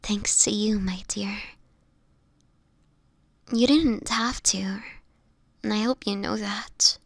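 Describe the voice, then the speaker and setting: A woman playing a gentle, sickly, anguished vampire in a whispery audio roleplay, speaking hesitantly and tenderly to the listener. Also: medium pitch, steady tone, slow pace, dry recording, studio quality. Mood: grateful, tender. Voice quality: breathy, often whispering.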